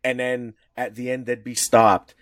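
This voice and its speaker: Male podcast co-host, mid-pitched, chatty explainer, dry close mic. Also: little pitch movement, a little slow, no room sound. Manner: explains at length with restarts and laughs. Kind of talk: casual chat.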